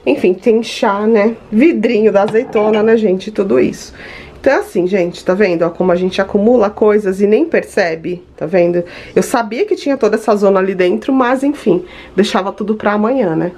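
A woman's voice: medium pitch, normal speed, dark tone. Chatty Brazilian woman vlogging at home. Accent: Brazilian Portuguese. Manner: chatty, addresses viewers directly. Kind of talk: casual home vlog. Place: home kitchen.

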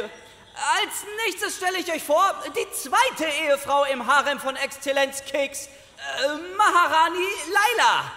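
A man's voice: very high-pitched, pushed and bright, exaggerated voice. An actor playing a flustered, pompous palace herald in an audio drama, theatrical and stammering in his ceremonious speech. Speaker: court announcer. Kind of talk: German audio drama acting. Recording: reverberant hall.

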